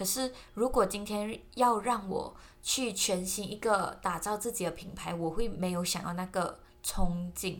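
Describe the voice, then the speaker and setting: Speaking with a Malaysian accent, a woman uses a medium pitch and ordinary pitch variation. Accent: Malaysian accent, noticeable. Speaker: former radio host, podcast guest. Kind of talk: casual chat.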